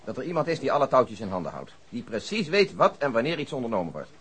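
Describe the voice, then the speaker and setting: An actor playing a calm, practical male police detective with a husky voice, keeping the peace in a radio drama. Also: mid-range voice. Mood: placating. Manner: measured, conciliatory, matter-of-fact.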